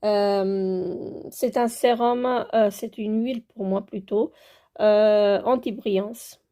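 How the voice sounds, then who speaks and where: In this relaxed show-and-tell, a French-accented woman presents her skincare items, shifting about as she picks them up. She speaks slowly at a medium pitch with fairly even intonation and a mellow quality, hesitating often and filling gaps with sounds. She's a beauty vlogger.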